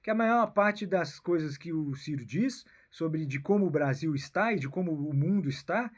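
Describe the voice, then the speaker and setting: A man's voice: on the high side, lively intonation. A man with a Brazilian accent giving a rambling political monologue, tagging his phrases with a questioning "né?" and "my son" and often restarting himself. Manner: keeps adding "né?" and "meu filho"; halting, repeats and restarts phrases. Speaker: political commentator.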